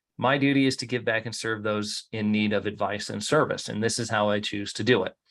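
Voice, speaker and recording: At a fairly quick pace, a man with a fairly low pitch and fairly even intonation speaks in a normal speaking voice. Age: 30s. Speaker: business coach. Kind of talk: workshop presentation.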